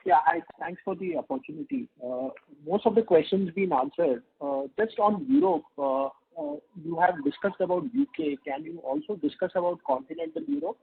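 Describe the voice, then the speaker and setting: Man, financial analyst, very gravelly, narrow lo-fi phone line, posing questions on an earnings call. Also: sits high, very animated, moderate pace.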